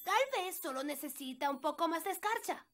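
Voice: extremely high pitch, expressive, brisk, a bit bright, soft background music, heavily acted. A performer voicing an eager, practical young elf boy in a children's cartoon, with a Latin American Spanish accent. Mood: earnest. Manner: childlike, matter-of-fact.

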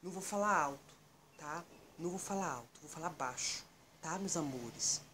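A woman plays a chatty toy cow in a homemade puppet skit, with a Brazilian accent. The voice is a little low and subdued, held back as though swollen tonsils make talking sore. There is faint noise in the recording. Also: moderate pace, sharp tone. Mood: subdued, strained. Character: chatty toy cow announcing channel news.

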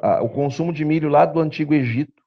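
A man in his thirties giving an animated conference lecture, speaking into a handheld mic in a meeting room. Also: fairly high pitch, fast. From southern Brazil. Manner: animated, gestures while presenting slides, rhetorical asides. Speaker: chief economist giving a seminar talk. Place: meeting room with projector screen, indoors. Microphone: handheld mic, filmed by a far camera. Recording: dull lo-fi room recording.

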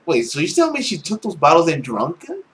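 Young man, theatrical and lively reading. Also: on the high side, fast talker. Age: young adult. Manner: theatrical, expressive. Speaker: let's play host. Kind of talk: dramatic read-aloud of a visual novel with reactions. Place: small indoor room at home. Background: music.

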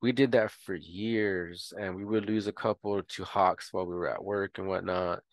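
A man's voice: low voice, normal speed, no room sound. A man explaining a homesteading tutorial in a casual, rambling way, with frequent ums and restarts. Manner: relaxed, rambling with many fillers. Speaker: homestead educator.

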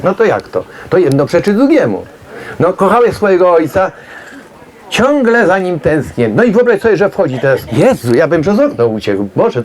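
Chatty man with a high voice. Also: a little mellow. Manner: jokey, digressive, acts out quoted voices. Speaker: medium giving a talk. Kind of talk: chatty lecture to an audience.

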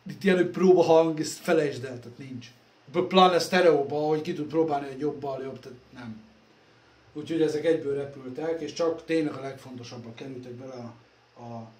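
Rambling man in an echoey workshop. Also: medium pitch. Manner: rambling, self-deprecating, trailing off softly at phrase ends. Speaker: computer repair vlogger. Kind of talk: casual workshop vlog. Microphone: phone camera. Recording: echoey workshop room, faint ambience.

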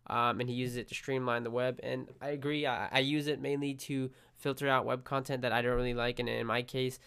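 A man's voice: medium pitch, little pitch movement, fairly quick, vocal fry, fairly bright tone, smooth. A man with a head cold, sounding congested as he chats casually through a screen recording. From United States. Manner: chatty, restarts often, friendly asides. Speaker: tech vlogger.

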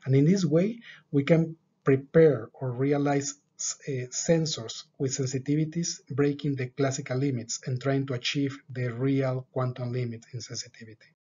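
Husky middle-aged man, dull webcam sound. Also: medium pitch, steady tone, dark tone. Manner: measured, deliberate delivery with occasional filler pauses. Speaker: lab director giving a research overview. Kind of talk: scripted presentation. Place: office with a whiteboard.

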